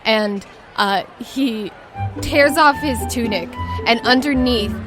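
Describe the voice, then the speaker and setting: A woman improvising narration as game master of a tabletop game, in a casual, halting, descriptive way. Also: fairly high pitch. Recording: music under the voice.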